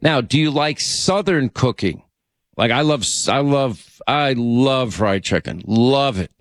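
A man's voice: mid-range voice, lively intonation, a little slow, no echo, clean studio sound. A man hosting a call-in radio show, talking in a chatty, rambling way. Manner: chatty, rambling, self-interrupting. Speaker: radio talk show host. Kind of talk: casual call-in radio chat.

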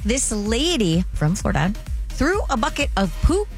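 A woman's voice: fairly high pitch, normal speed, faint music behind. A woman co-hosting a morning radio show, reading news items and bantering casually. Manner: lively, reads news items then banters. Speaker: radio co-host.

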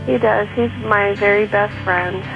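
A woman's voice: medium pitch, fairly even intonation, measured pace, creaky, music in the background. A woman in her late twenties calling a radio show, hesitant and lovesick. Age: 20s. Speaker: caller. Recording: muffled phone line.

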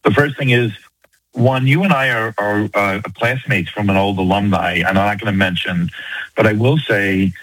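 Older New York-accented male caller, low and husky, dry close sound, eager and quick. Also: a bit bright, no echo, low-quality recording. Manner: fast, earnest, eager to make his point. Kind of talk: phone-in call to a talk radio show.

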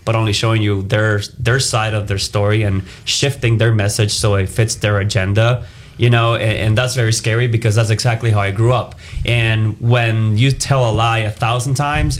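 Man from Cuba, business-owner guest, earnest explainer, interview chat. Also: fairly low pitch. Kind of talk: interview conversation.

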